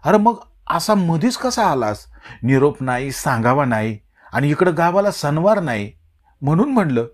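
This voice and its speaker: Male narrator as an old rural mother, high and husky, anxious and protective. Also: very animated, moderate pace. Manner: pleading, scolding in rustic village speech. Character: worried old village mother, fretful and protective.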